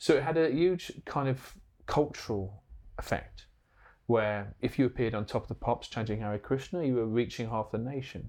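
Against a quiet background, a man speaks at a moderate pace with a medium pitch and ordinary pitch variation. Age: 40s. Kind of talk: interview conversation. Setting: temple.

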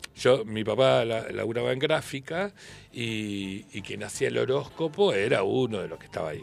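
A man talks at a medium pace, his loudness swinging a great deal. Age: 50s. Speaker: radio host. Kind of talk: casual chat.

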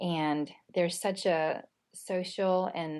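With an American accent, a woman uses a plain, everyday voice, fairly low in pitch and with fairly even intonation, on a very clean recording with a silent background. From US, Houston area (Taiwanese parents). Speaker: author and mother. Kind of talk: interview conversation.

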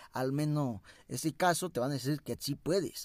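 A man's fairly high voice at a moderate pace, with ordinary pitch variation, in a very clean recording with a silent background. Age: 20s. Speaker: motivational podcaster. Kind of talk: motivational monologue. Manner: halting, frequent repetitions and fillers.

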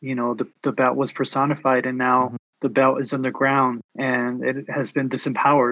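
A man with a medium-pitched voice speaks fairly quickly in a bright, sharp tone, his intonation flat and monotone. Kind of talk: casual discussion. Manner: uses many fillers.

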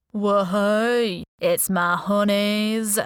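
Here a woman uses a put-on character voice. It sounds nasal and sits at medium pitch. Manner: loud, shouting.

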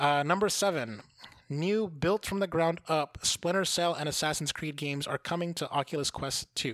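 A man with an ordinary speaking voice talks at fairly high pitch and a moderate pace. The sound is dry and close with no echo, and his pitch varies in an ordinary way. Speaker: podcast host. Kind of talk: casual chat.

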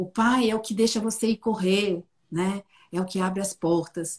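A woman talks at medium pitch, somewhat breathy. Her pace is moderate. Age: 50s. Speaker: family constellation therapist. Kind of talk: interview on a live stream.

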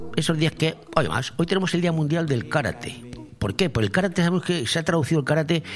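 Over noticeable background noise, a man talks at a very fast pace with very even loudness. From Spain, Madrid. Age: 60s. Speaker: radio host. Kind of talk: casual chat. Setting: studio. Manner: animated.

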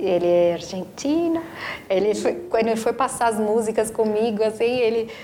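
At a moderate pace, a woman with a fairly high pitch speaks with ordinary pitch variation amid noticeable background noise. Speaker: stage actress. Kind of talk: interview conversation.

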